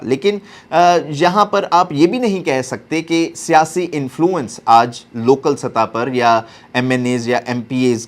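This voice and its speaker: Male commentator, Pakistani accent, medium pitch, earnest explanatory delivery with occasional English terms. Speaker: political commentator.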